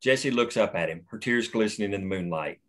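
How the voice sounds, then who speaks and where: A man's voice: fairly low pitch, fairly quick, a bit bright. A man plainly reading the action lines and stage directions at a screenplay table read.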